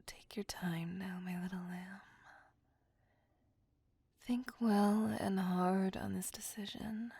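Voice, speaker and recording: A seductive, menacing female vampire, as a woman acts her out, whispering right at the ear in a slow, formal hush. Her breathy voice carries a gravelly fry, and the close recording is completely dry. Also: mid-range voice, steady tone, no echo, exaggerated voice. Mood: possessive. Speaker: voice actor. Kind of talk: whispered ASMR roleplay.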